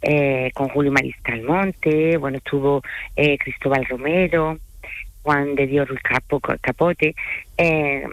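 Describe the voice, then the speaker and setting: A woman's voice: very deep voice, fairly even intonation, slow pace, no room sound, low-quality recording. French-born tour guide lady rambling on a radio show, lots of fillers, dry studio sound. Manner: chatty, frequent "¿vale?" tags and fillers. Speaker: tour guide and company manager. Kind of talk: radio interview guest.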